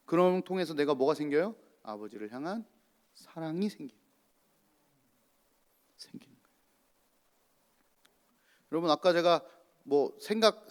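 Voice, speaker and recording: A male pastor giving a sermon and asking the congregation rhetorical questions. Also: on the high side. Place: church. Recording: long church reverb.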